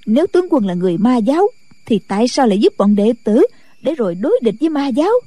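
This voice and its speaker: A woman's voice: fairly high pitch, big pitch swings, fast talker, warm tone, husky, no echo. A woman voicing an earnest, pleading middle-aged Buddhist nun in an audiobook. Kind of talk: audiobook character voice.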